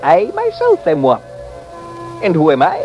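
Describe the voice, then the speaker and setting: An actor playing a genial, boastful gypsy peddler who spins tales grandly in an old radio western. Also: male voice, fairly high pitch, wildly swooping pitch, measured pace. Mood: genial boasting. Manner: grandiose, chuckling, theatrical. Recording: dull vintage radio recording, music behind.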